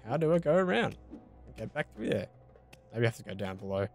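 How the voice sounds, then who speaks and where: Laid-back Australian gamer muttering along. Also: male voice, mid-range voice, big pitch swings, brisk, gravelly, faint music behind. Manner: casual, muttering thoughts aloud with mild swearing. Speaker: gaming YouTuber. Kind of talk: let's play commentary.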